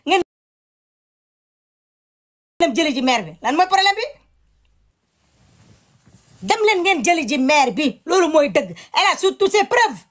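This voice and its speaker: Indignant high-voiced woman. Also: very animated, unhurried, long pauses. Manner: indignant, emphatic, repeating her words. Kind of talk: impassioned commentary.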